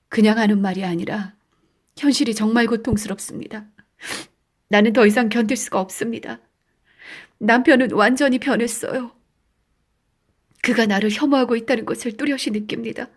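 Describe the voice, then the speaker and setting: Voicing a distraught wife for an audiobook drama, this woman sounds natural yet high-pitched and filled with dread. Her halting, pleading words come out anguished, like she's confessing some awful fear.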